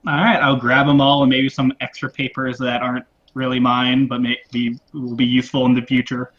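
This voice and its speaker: A man's voice: medium pitch, completely flat delivery, moderate pace. Casual male player on a dull mic. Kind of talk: casual in-character play.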